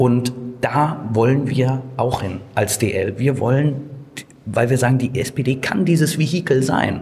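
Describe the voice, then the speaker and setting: Speaking very slowly, a man uses a medium pitch with ordinary variation. There is audible room echo and noticeable background noise. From Rhineland-Palatinate, Germany. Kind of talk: interview. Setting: conference venue.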